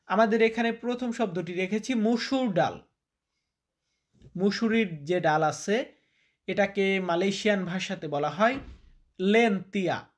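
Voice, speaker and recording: A man's voice: sits high, a little slow, long pauses. A man teaching vocabulary, repeating each word and quizzing the listener. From Bangladesh. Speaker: language teacher. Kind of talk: vocabulary lesson.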